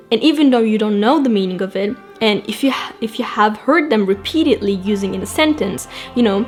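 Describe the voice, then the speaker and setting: A woman host giving an instructive explainer, addressing her viewers directly with rhetorical questions. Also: medium pitch. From grew up outside Japan. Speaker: language-learning video host.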